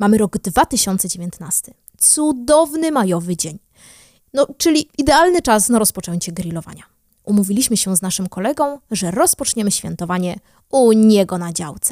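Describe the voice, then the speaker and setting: Recorded very cleanly with a silent background and a dry, close sound with no echo, a woman at medium pitch swings very widely in pitch. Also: moderate pace. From Poland. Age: 20s. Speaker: podcast host. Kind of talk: personal storytelling monologue. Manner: casual and conversational.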